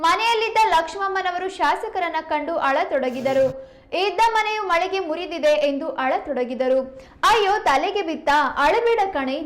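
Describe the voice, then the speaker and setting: A woman narrating a local news report in a formal, even reading voice-over. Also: very high-pitched.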